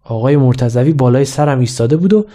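A man's voice: mid-range voice, dark tone. A man narrating a humorous school memoir in a wry, self-mocking way. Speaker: storyteller.

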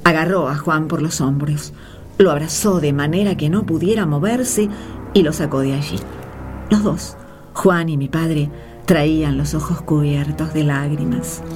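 A woman's voice: low voice, unhurried, a little mellow, faint music behind. A woman playing a grown daughter who narrates grim memories solemnly in a radio play. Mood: solemn, vivid. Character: caravan leader's grown child recounting grim memories. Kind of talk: dramatic first-person narration in a radio play.

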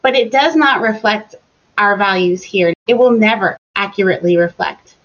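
A woman answering interview questions as an educator, speaking slowly and deliberately as she explains. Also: medium pitch, a bit bright. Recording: muffled lo-fi sound.

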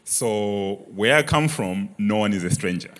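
A man's voice: lowish voice, animated, unhurried, fairly bright tone. A young man from Malawi with a Malawian accent, sharing his story earnestly in an onstage church interview. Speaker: church member guest. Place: large church auditorium, on stage. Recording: reverberant church hall.

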